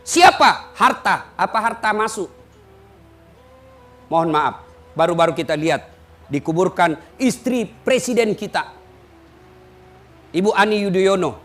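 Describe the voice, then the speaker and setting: A man preaching with a very high voice. He delivers a humorous sermon, telling lively stories and shouting out questions in voices he mimics. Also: a little slow, pauses often. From Indonesia.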